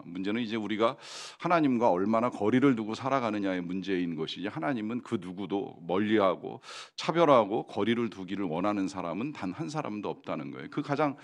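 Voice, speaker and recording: A man preaching a Sunday sermon in a church, talking conversationally with many fillers and asking the congregation questions. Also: lowish voice. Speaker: pastor. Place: church sanctuary.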